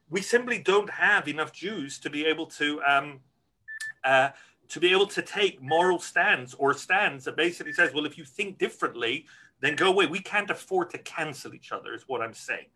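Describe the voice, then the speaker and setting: A man's voice: fairly high pitch, pushed and bright. A middle-aged man from Scotland, a rabbi answering interview questions earnestly and frankly, with many restarts.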